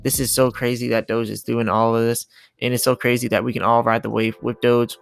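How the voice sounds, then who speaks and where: A man's voice: mid-range voice, flat delivery, fairly quick, creaky, clean tone. A man giving casual, repetitive, hyping commentary over charts as a video host. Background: music.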